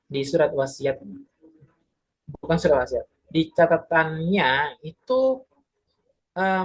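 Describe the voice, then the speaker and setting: Young adult community presenter, casual explainer, husky tone, hesitant delivery with frequent fillers. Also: medium pitch, poor audio. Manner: hesitant, many filler sounds and self-corrections.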